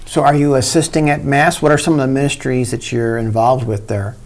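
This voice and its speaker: Man asking steady interview questions. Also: mid-range voice, fairly quick.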